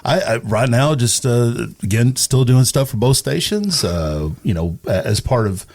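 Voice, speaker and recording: A man's voice: mid-range voice, lively intonation, unhurried, a little mellow. A middle-aged or older man from East Texas, a radio personality answering casually as a guest in hesitant, thoughtful phrases. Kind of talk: casual interview chat.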